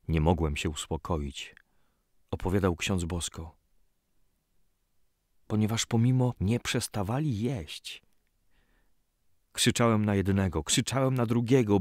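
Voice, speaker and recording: A man with a low voice narrates a scripted story like an audiobook. His delivery is unhurried and measured, with a dramatic storyteller's touch. The recording is dry and close. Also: darkish tone, dry recording. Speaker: narrator reading a religious story.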